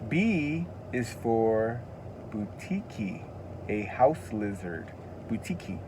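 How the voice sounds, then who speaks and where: A man's voice: on the low side, very animated, takes it slowly, dark tone, slight background noise, low-quality recording. A man with a Californian accent giving a casual language lesson, earnest and a little preachy, repeating words for emphasis as he reads a children's alphabet book aloud. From United States. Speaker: language teacher.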